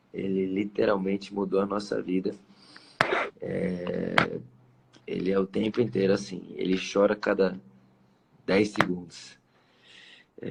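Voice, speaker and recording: A man's voice: deep voice, creaky, noisy background. A man hosting a Christian live stream, talking in an effusive, emotional way and repeating himself. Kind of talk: casual live-stream farewell.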